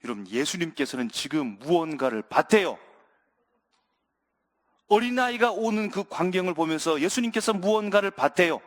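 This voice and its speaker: A male pastor preaching a sermon in a church, animated, questioning his congregation and acting out scenes. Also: sits high, moderate pace. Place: church sanctuary. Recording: reverberant church sanctuary.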